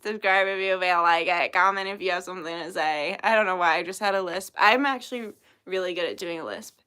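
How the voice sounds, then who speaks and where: A woman's voice: on the low side, brisk, bright, forceful tone, smooth. A young woman hosting a tarot livestream, chatting casually with viewers, swearing freely and laughing often. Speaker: tarot reader livestream host. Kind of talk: casual livestream chat, reading chat messages.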